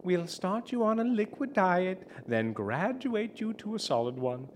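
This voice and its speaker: An actor playing a gleeful, unhinged mad scientist in an audio drama, with a theatrical, wildly swinging delivery. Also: male voice, high voice, expressive, unhurried, a little hiss or hum. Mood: gloating.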